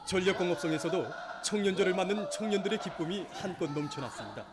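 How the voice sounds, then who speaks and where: Against a noisy background, a man with a North Korean accent delivers scripted news quickly in a high-pitched voice. As a news announcer, he uses a fervent, solemn, declamatory state-broadcast style.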